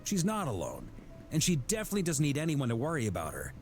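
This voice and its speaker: An actor playing a jovial, roguish middle-aged knight grandmaster in a video game, hearty and conversational like a theatrical storyteller. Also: male voice, mid-range voice, wildly swooping pitch, quick pace, vocal fry, a little mellow. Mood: thoughtful. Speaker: game character giving voice lines. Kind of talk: scripted video game voice acting.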